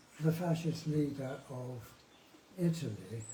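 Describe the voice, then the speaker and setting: A man's somewhat breathy, fairly high voice at a very slow pace, with audible room echo. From England, London. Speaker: elderly resident interviewed. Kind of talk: life story interview. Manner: halting, with fillers.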